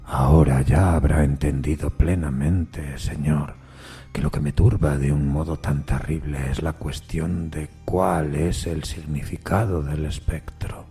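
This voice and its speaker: A man playing an anguished railway signalman haunted by a spectre, earnest, deferential and hushed, in a dramatic audio story. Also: a bass voice, steady tone, unhurried, breathy edge, soft background music, voice pushed down, heavily acted. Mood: grave, hushed. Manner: troubled, pensive, hushed.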